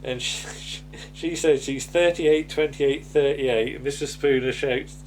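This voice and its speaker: A man's voice: mid-range voice, steady tone, unhurried. Rambling man with faint hum. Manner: hesitant, rambling, chuckling delivery. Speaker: podcast host. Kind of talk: casual chat recapping a television sitcom episode.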